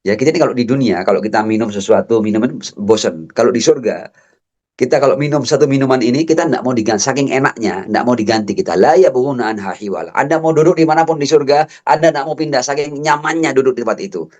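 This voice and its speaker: A man giving a public religious lecture. He quotes Arabic verses slowly, then explains them, swinging between high emphatic peaks and low, slow explanations. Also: darkish tone. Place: lecture hall.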